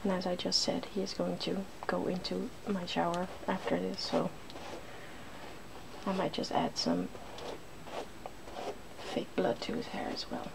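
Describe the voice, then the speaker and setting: A woman's voice: fairly low pitch, level tone, measured pace, gravelly, pauses often. A woman hosting an ASMR video, chatting casually and informally as she works on someone's makeup. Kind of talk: ASMR, casual chat while doing makeup. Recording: noticeable background noise.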